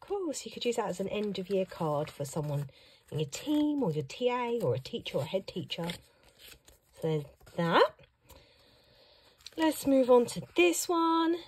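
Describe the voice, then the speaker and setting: A woman who teaches young children, chatting upbeat through an unboxing vlog while hoarse and losing her voice. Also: medium pitch, sing-song, normal speed, long pauses, a little mellow. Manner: chatty and upbeat, reacting to each item. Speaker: primary school teacher and vlogger. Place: at home.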